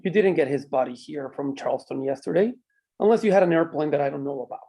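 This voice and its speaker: A man playing a calm, persistent small-town mayor in a screenplay table read, measured and probing. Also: fairly high pitch, creaky, husky.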